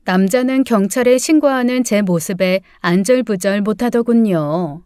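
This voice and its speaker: A woman narrating a first-person audiobook story in a steady, calm way. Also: medium pitch, moderate pace, smooth, dry recording, clean studio sound.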